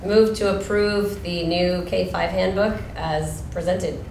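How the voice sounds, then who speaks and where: A woman on a school committee, chatty and quick to laugh during the meeting. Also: lowish voice, steady tone, vocal fry, a little mellow. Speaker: committee member. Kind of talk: casual meeting talk. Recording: echoey room with background noise.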